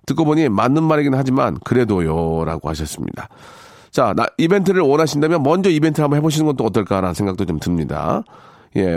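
A man's voice: medium pitch, darkish tone, no echo, clean studio sound. A man hosting a radio show, reading out listener messages and commenting on them in a polite, conversational, rambling way. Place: radio studio.

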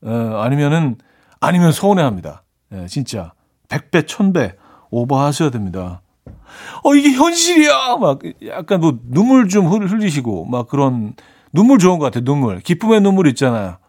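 A man's voice: medium pitch, big pitch swings, fairly quick, darkish tone. A middle-aged man hosting a radio music show in a chatty, casual way, reading listener messages and joking about them. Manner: chatty, reads listener messages and plays up reactions.

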